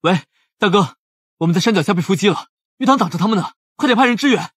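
Alert young detective, put on by a male narrator: raspy, hurried, animated swings, urgent. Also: high-pitched, dry recording, clean studio sound, pitched above the performer's own voice, heavily acted.

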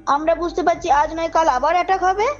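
A woman tells her story in a high voice. She speaks informally and with emphasis, checking that the listener follows. The call audio is muffled, with music clearly playing behind her. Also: quick pace. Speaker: caller telling a personal ghost story. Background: background music.

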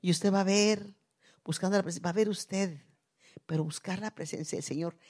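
Una predicadora de mediana edad con acento guatemalteco, que predica con fervor en una iglesia y pasa de apartes suaves a exclamaciones fuertes. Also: female voice, medium pitch, a little fast. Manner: fervent, swings from soft asides to loud cries. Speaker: preacher. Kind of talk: sermon. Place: church.

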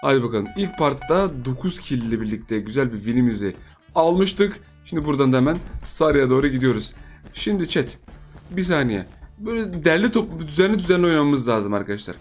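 A man's voice: mid-range voice, animated, a little fast, soft background music. A young man giving chatty live commentary on a game he is playing, repeating himself and teasing the other players. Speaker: gaming YouTuber.

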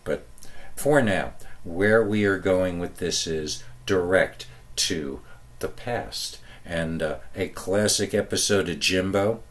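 A man hosting a podcast, rambling through an introduction in a halting way and repeating words. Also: low-pitched. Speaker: podcast host.

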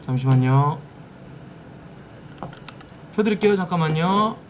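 A middle-aged man streaming a game live, reacting loudly and swearing at it. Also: a little high, unhurried, slight background noise. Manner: excitable, bursts into shouts and swears at the game. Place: streaming room indoors.

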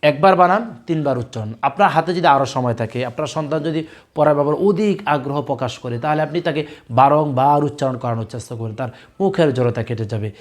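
A man with a Bangladeshi Bengali accent and a somewhat high voice teaches a recorded children's Quran reading class. He explains in a measured, formal cadence and drills syllables slowly and loudly, repeating each word.

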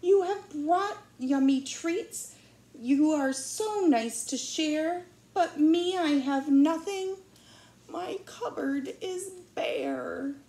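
A woman's voice: sits high, drawn-out words, gravelly, warm tone, voice pushed up, heavily acted. A woman voicing a lonely, glum male bear who sighs as he talks, read from a storybook. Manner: sighing, woeful. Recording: roomy echo.

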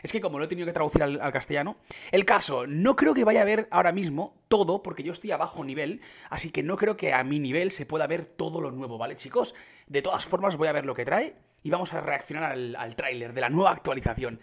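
A young man with an accent from Spain, reacting to a game update and talking it through for his viewers, keeping his voice down late at night until excitement breaks through. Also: on the high side, fast talker. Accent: Spain Spanish. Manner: hushed and restrained, bursting into excited exclamations. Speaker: gaming youtuber.

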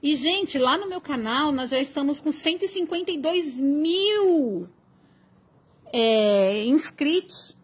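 High-voiced chatty Brazilian woman. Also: expressive, slow. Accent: Brazilian Portuguese. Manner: chatty, reads viewer comments aloud. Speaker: crochet teacher. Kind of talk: live-streamed class.

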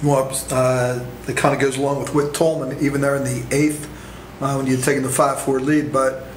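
A man's voice: mid-range voice, flat delivery, fairly quick, roomy sound, a little hiss or hum, low-quality recording. A man, a sports reporter, asking a coach hesitant questions after a game.

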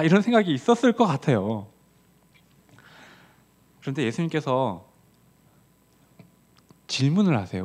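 A man preaching an early-morning sermon as pastor, in a conversational style that rises on quoted lines and drops soft on key words. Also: fairly high pitch.

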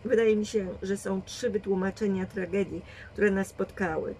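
Lady reading as a sharp old granny, dry and bossy, calm steady reasoning, mid-pitched. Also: a little hiss or hum, close to an everyday voice, poor audio. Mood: firm. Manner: measured, firm reasoning. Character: shrewd old grandmother, dry and commanding.

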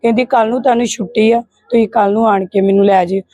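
A woman's voice: a little high, steady tone, quick pace, mellow, no echo. A Punjabi woman, the victim's aunt, answering a reporter and steadily recounting phone calls. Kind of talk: interview answers.

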